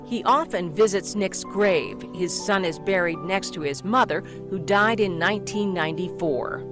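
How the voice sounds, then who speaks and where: A woman reporter delivers a local TV news story in a steady, measured way. Music plays clearly underneath. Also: mid-range voice. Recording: news clip with music behind.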